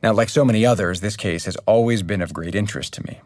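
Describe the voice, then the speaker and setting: An actor playing an earnest podcast journalist, narrating a true crime documentary in a measured, serious way. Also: male voice, fairly low pitch, no room sound, studio quality, close to an everyday voice. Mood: earnest, intrigued.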